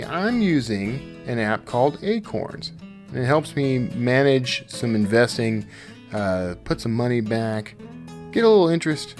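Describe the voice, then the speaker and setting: A man hosting a podcast, chatting casually and solo in a rambling, conversational way that often doubles back on itself. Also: mid-range voice. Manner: rambling, conversational, self-interrupting. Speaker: podcast host.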